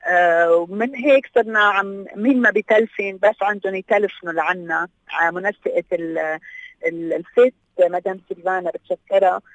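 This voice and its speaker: A woman's voice: mid-range voice, brisk, no echo, low-quality recording. A woman with a Lebanese Levantine Arabic accent explaining things as an interview guest, dropping in English words. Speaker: guest, health awareness association representative. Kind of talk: radio interview, explanatory talk.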